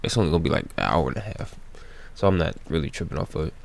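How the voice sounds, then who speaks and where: Low-voiced, creaky male gamer. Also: sing-song, rapid-fire. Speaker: gaming video host. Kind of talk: casual let's-play commentary.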